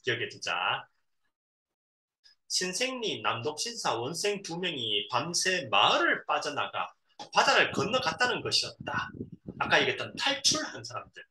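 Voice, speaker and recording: A lively, bright-voiced father reading aloud. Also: a little high. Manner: reads a passage, then pauses to explain words simply to a child; acts out quoted lines in lively voices. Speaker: father reading a novel aloud to his son. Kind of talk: read-aloud with explanations. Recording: roomy echo, a bit far from the mic, faint noise.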